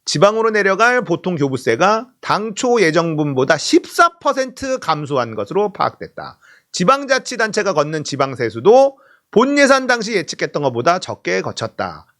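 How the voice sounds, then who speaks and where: A man giving a heated political commentary monologue, scolding and sarcastic, swinging from loud exhortation to muttered asides. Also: high-pitched, big pitch swings, moderate pace.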